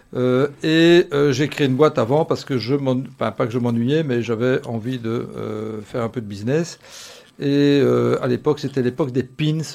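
This man has an ordinary speaking voice at a medium pitch for a man. He talks at a moderate pace with ordinary pitch variation. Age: 50s. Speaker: entrepreneur, company founder. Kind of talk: interview.

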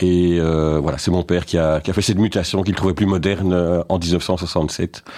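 A man speaks in a very deep, low voice with a dark, mellow tone, flat monotone delivery, very even loudness and hardly any pauses. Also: moderate pace. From Brussels, Belgium. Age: 50s. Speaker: construction company executive. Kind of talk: radio interview. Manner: hesitant, many fillers.

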